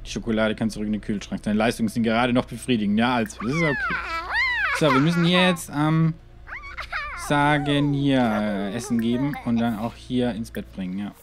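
A man's voice: mid-range voice, a little fast, noisy background. A man hosting a let's play, talking casually to his game characters with muttered asides and frequent exclamations. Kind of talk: gaming commentary.

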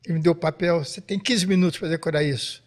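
An older Brazilian host cuts in with his own memories, speaking in a slightly raised voice. His tone is husky and warm with years, and he tells it plainly and conversationally. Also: a little high, steady tone, fast talker. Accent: Brazilian Portuguese. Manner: chatty, chimes in with memories. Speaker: podcast host.

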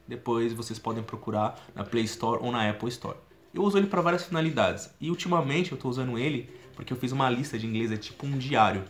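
Brazilian guy in his 30s vlogging on his phone, chatty, lots of "you know", small room. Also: medium pitch. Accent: Brazilian Portuguese. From São Paulo, Brazil. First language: Portuguese. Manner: chatty and expressive, gestures a lot, many "you know" fillers. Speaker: language learner vlogger. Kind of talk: casual spoken video diary. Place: small indoor room with a plain wall. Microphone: phone camera at arm's length.

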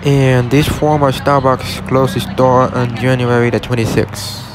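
Standing by a shuttered store on an urban street, this man shoots a relaxed walkthrough vlog on his phone and keeps his comments plain and simple. His mid-range voice barely moves in pitch, and he speaks at a measured pace. Faint traffic and street sounds can be heard.

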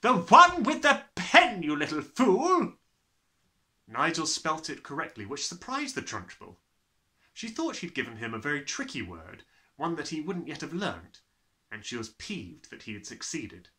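Expressive young man reading, bright voice. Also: medium pitch, moderate pace. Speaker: storybook reader. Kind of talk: expressive children's book narration.

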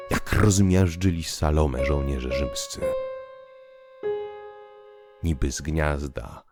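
A man narrating literary prose in a theatrical, declamatory way, moving between hushed and emphatic delivery. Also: extremely low pitch. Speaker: audiobook narrator. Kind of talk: dramatic literary narration with piano music. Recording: piano music behind the voice. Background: piano music.

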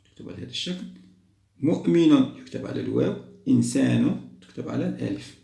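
A man teaching a lesson for young children, stretching out each model word slowly and then moving on quickly. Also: medium pitch, wildly swooping pitch, creaky, mellow. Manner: slow, drawn-out model words, then quick asides. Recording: roomy echo.

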